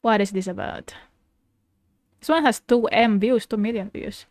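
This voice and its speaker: A woman's voice: medium pitch, normal speed, darkish tone, dry recording. A woman VTuber giving casual, exclamatory reaction commentary with informal swearing, recorded close in a dry room. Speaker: VTuber host.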